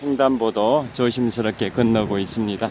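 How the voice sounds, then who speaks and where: Noticeable background noise behind a man, his pitch varying in an ordinary way. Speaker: marathon runner. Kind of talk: casual vlog narration while cycling. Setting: outdoors.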